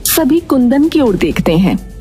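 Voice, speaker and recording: Animated woman narrator over background music. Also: a little high, unhurried. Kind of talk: scripted story narration.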